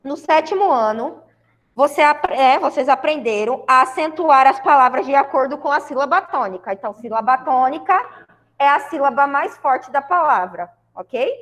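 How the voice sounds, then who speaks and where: A woman's voice: sits high, expressive, normal speed, a bit bright, big-room sound. A Brazilian woman teaching a grammar lesson to a class, explaining step by step and often checking in with her students. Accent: Brazilian Portuguese. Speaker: school Portuguese teacher.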